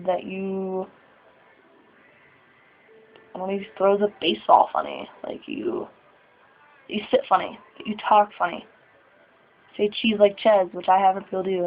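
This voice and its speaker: A nervous 21-year-old trans man speaking haltingly in a personal vlog, sighing and laughing between thoughts. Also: high-pitched. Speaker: vlogger. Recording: tinny phone-like sound.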